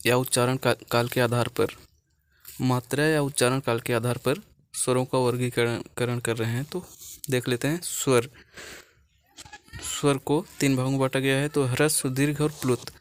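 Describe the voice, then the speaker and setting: A man's voice: mid-range voice, level tone, normal speed. A man teaching a lesson step by step in a patient way, repeating key points and checking in often. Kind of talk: explaining a lesson plan step by step.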